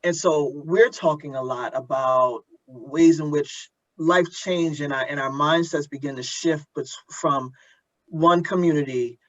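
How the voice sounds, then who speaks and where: A man with a fairly high-pitched, slightly bright voice hosts an earnest conversation as interviewer at an audio drama community event. He's reflective and halting, frequently repeating words as he works toward a point. The audio is a little dull and lo-fi.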